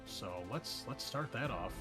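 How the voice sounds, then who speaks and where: A man's voice: mid-range voice, lively intonation, a little slow, loud music behind the voice. A man working as game master, narrating and refereeing a tabletop roleplaying game in a casual way.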